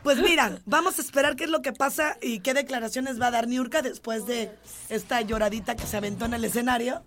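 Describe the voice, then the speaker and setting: A woman's voice: on the high side, brisk, fairly bright tone. A woman with a Mexican accent co-hosting a casual gossip podcast, playful and teasing with slangy remarks. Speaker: podcast co-host.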